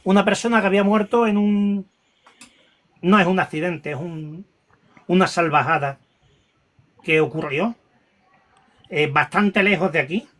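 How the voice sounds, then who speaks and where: A man with a higher-than-usual voice tells a painful personal story. He stumbles, restarts and repeats phrases, his voice shaken and close to tears. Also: a bit bright. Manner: halting, many restarts and repetitions. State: emotional, near tears. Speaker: guest recounting a paranormal experience.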